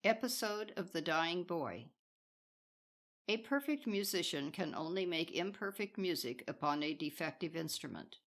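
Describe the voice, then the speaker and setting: A woman narrating a spiritual book aloud in a measured, solemn manner, reading from a script. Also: lowish voice, animated, a bit bright. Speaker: audiobook narrator.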